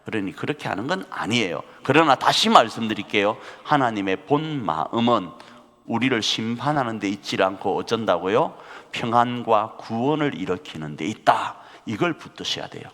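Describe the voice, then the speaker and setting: A male pastor preaching a sermon, animated and emphatic, putting questions to the congregation. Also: lowish voice, moderate pace. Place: church sanctuary. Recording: long reverb of a church hall.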